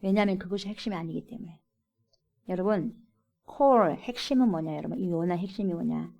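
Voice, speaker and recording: A woman's voice: fairly low pitch, a little fast, gravelly, warm tone. A woman pastor delivers an emphatic sermon in a church. She keeps calling out to her congregation and drives her points home with direct questions. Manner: emphatic, repeatedly addresses the congregation as 여러분. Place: church sanctuary.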